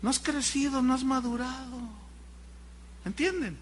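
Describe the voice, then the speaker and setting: A man's voice: very high voice, measured pace, a little hiss or hum. A man preaching a sermon and acting out little dialogues as he goes. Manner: animated, acts out dialogues. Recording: long hall reverb.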